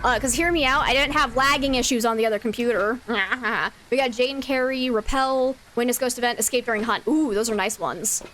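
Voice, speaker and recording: A woman's voice: a little high, brisk, hardly any pauses, fairly bright tone, a little hiss or hum. A woman streaming a video game, chatting casually with her viewers, laughing often and reading out their messages. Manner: chatty, laughs often, reads chat aloud. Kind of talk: casual gameplay stream chat.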